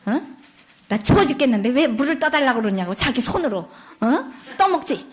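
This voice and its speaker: A woman's voice: high voice, normal speed, lightly acted. A woman voicing a spoiled, rude stepsister in a folk tale, whining and complaining. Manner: whiny, rude.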